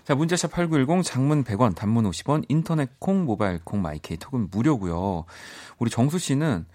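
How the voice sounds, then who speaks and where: A man hosting a casual radio show, joking with guests and briskly reading listener questions aloud. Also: medium pitch, expressive, mellow. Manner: brisk, joking, reads questions in quick succession. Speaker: radio host. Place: radio studio.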